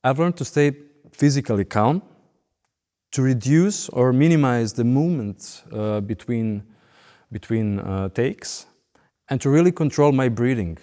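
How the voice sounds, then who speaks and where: Speaking with a Serbian accent in short, deliberate phrases, a Belgrade-born violinist in his late thirties gives an interview monologue. His mid-range voice is animated and warm, echoing with long reverb through a large recording hall.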